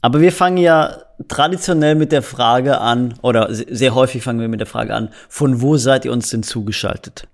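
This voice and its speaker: A man co-hosting a casual podcast, who talks haltingly with many restarts and fillers. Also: medium pitch. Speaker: podcast co-host.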